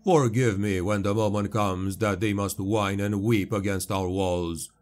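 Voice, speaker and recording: Guy doing big armored chaplain, slow and booming, sneering at the enemy, low voice. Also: fairly even intonation, darkish tone, close to an everyday voice. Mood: rousing. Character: armored male warrior-chaplain, contemptuous, commanding. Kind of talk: audiobook character voice.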